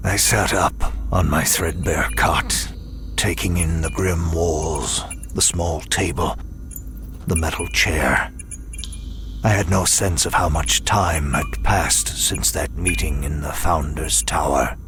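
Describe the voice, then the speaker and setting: An actor playing a weary, wry imprisoned demon in an audio drama, speaking in a measured, dryly sardonic way. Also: male voice, a bass voice, steady tone, over music. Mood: brooding, weary. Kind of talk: first-person audio drama narration and dialogue.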